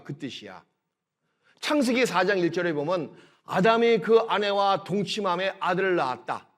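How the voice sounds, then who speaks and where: Man, pastor, high voice, middle-aged, sermon in church, slow emphatic delivery. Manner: explains scripture, then voices God's words in gentle quoted lines; slow, emphatic delivery with swings between loud and soft. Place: church sanctuary.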